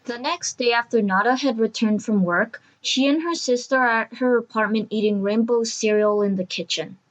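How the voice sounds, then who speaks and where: A woman's voice: on the high side, normal speed, rough recording. A woman reading scripted narration for an audio drama.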